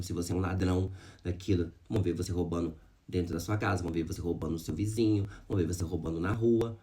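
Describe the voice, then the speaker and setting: A man's voice: fairly low pitch, a little mellow. A man telling viewers a personal story of hardship and faith, talking straight to them in an emotional, heartfelt way. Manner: emotional, addresses viewers as "gente", religious. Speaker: vlogger. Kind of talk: personal testimony to camera.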